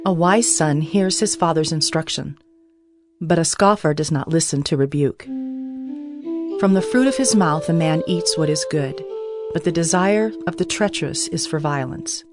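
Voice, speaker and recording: A woman with a fairly low voice reads scripture as a narrator. Her delivery is measured and declarative, in the style of a dramatized audio Bible. Instrumental music plays clearly behind her. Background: instrumental music with guitar.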